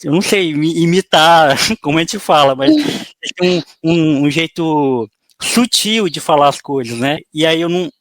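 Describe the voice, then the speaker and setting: A man's voice: a little high, lively intonation, normal speed, a bit bright, no room sound. A man in his late twenties from Acre, Brazil, hosting a podcast and chatting casually, leaning on fillers like "né" and "mano". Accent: Acre Brazilian Portuguese. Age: 20s. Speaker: podcast host.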